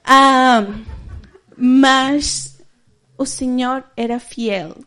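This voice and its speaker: A woman's voice: high voice, fairly even intonation, very slow, a bit bright, clean tone. A woman in her thirties giving a candid personal testimony as a church speaker, often laughing as she tells it.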